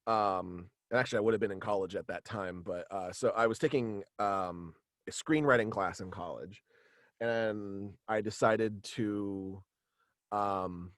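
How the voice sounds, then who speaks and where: A young man chatting casually as an interview guest, halting and rambling as he explains, on a close studio mic. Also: lowish voice, no echo. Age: young adult. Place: small indoor room with acoustic padding, video call. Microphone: close studio mic, headphones.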